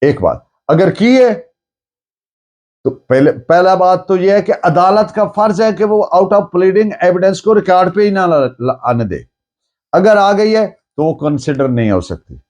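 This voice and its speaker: A man with a Pakistani accent lecturing on law in a didactic, deliberate way, restating points in plain words and mixing in English terms. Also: sits high, lively intonation, a little mellow.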